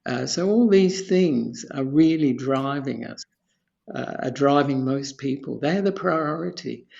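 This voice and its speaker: A gravelly-voiced man in his seventies, an Australian monk, talks through his ideas in an unhurried, rambling way. He repeats himself for emphasis and laughs softly. The audio sounds dull and lo-fi. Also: mid-range voice. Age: 70s. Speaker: Buddhist monk, podcast guest. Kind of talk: unhurried teaching talk.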